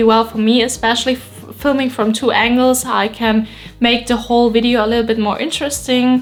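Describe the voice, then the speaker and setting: Speaking in a German accent, a woman talks at a moderate pace with a high pitch. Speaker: online course creator, photographer. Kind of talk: vlog tutorial. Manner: casual with frequent fillers.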